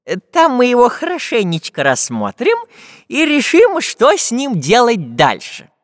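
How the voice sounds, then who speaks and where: A man's voice: extremely high pitch, huge pitch swings, a little slow, no room sound, clean studio sound, big-room sound, voice pushed up, full character voice. A man voicing a fussy, hesitant old male professor.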